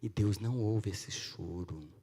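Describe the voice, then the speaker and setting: A man preaching a sermon in a church, swinging from loud cries to hushed pleading. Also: on the low side, measured pace, breathy edge. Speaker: pastor. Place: church sanctuary. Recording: long church-hall reverb.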